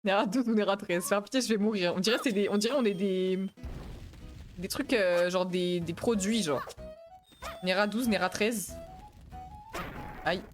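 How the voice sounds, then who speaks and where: A woman's voice: medium pitch, normal speed, pauses often, faint music behind. A young woman streamer chatting casually and laughing with panicky yelps while she plays a game. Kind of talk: casual gaming stream commentary.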